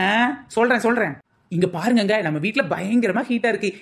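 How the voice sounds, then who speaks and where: A woman voicing a sharp-tongued housewife in a cartoon comedy, snapping back at her husband with sarcastic retorts. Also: mid-range voice, a little fast, husky.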